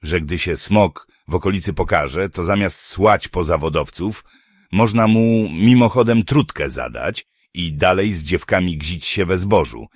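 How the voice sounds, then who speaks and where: A man voicing a gruff, crude male dwarf who schemes and talks bluntly in an audiobook. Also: low voice, unhurried, no echo, studio quality. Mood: scheming. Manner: coarse, conspiratorial.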